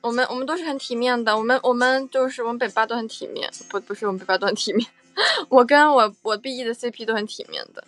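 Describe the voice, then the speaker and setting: A young woman chats casually on her livestream, playful and teasing, often saying things twice. Her voice sits a little high. Faint music plays behind her. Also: quick pace, fairly bright tone. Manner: playful and teasing, repeats phrases. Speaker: livestream host. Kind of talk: casual livestream chat with viewers.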